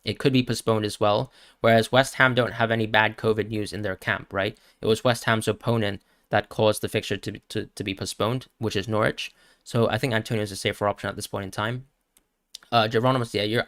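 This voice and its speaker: Low-voiced fast-answering male stream host. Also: a bit bright, clear, resonant tone, no room sound, studio quality. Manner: quick-talking, reads out viewer questions and answers them on the spot. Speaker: fantasy football stream host. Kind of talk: live Q&A stream answering chat.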